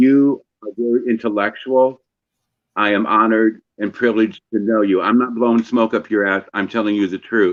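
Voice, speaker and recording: A man talks at a moderate pace and a medium pitch, using a plain, everyday voice with fairly even intonation. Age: 60s. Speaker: podcast panel judge. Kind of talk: casual chat.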